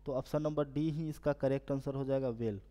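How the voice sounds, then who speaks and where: A man teaching an exam-prep class, reading the questions out slowly before he breaks them down step by step. His voice is mellow, and the room gives it a long reverb tail. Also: mid-range voice, steady tone. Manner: explanatory, reads English questions slowly then explains.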